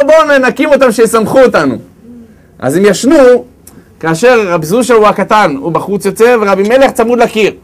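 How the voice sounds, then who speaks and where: A man giving a storytelling religious lecture, lively and acting out the characters as he goes. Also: high voice. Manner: lively, acts out characters with big swings of voice. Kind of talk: storytelling sermon.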